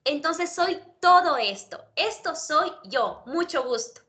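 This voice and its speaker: A woman teaching over a video call in a high, bright voice. She explains ideas patiently and keeps asking whether she is being understood, with plenty of thinking fillers between phrases. She sounds like a lecturer working through a concept step by step. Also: animated, slow. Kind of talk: explaining theory in an online class.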